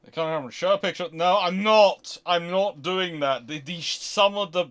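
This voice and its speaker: A British man hosting a casual question-and-answer chat, talking in a rambling, halting way and often interrupting himself. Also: high voice. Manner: rambling, halting, animated anecdotes with self-interruptions. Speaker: host answering viewer questions.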